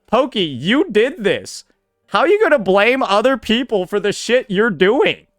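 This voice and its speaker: A man's voice: high-pitched, very animated, measured pace, no echo, soft background music. A man doing sarcastic, profane reaction commentary as a streamer, recorded on a close mic.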